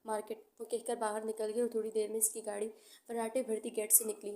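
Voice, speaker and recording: Woman audiobook narrator, steady measured reading, fairly high voice, flat delivery, faint background hiss. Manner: steady, measured storytelling with occasional stumbles.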